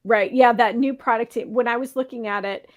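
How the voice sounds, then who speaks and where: A woman hosts a casual panel chat with a slightly hoarse, somewhat high voice. She is chatty and laughs often. She keeps throwing rhetorical questions out to the panel. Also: steady tone, normal speed. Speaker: talk show host.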